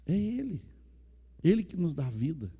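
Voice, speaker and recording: Male pastor, high mellow timbre, fervent sermon delivery easing into quiet testimony; church reverb. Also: very animated, moderate pace, husky. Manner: impassioned preaching that drops to soft storytelling. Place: church sanctuary. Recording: long reverb of a church hall.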